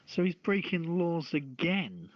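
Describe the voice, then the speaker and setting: A man hosting a casual news podcast, reading stories and commenting in a halting, deliberate way. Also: fairly high pitch, sing-song, a little hiss or hum. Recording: dull, lo-fi streamed audio.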